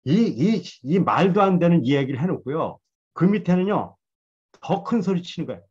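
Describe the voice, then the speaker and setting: A man's voice: a little high, big pitch swings, normal speed, husky, lo-fi sound. A man giving a Bible lecture in a conversational, storytelling way, admitting his own past mistakes. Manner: conversational, self-deprecating storytelling.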